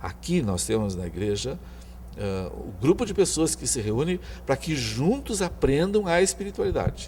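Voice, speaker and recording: Big swings in loudness from a man speaking at a moderate pace. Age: 60s. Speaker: psychologist. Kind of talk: TV interview.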